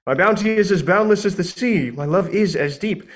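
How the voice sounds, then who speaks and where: A man's voice: sits high, animated, moderate pace. A man playing Juliet as an earnest, lovestruck young woman in a live amateur Shakespeare reading, with theatrical verse delivery. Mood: devoted.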